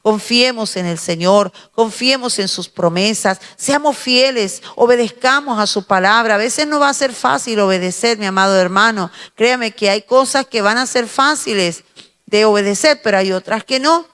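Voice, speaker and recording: A woman with a Spanish accent from Spain giving a slow, emphatic morning devotional sermon, pausing and repeating her phrases as she preaches. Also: a little high, fairly bright tone, smooth, big-room sound.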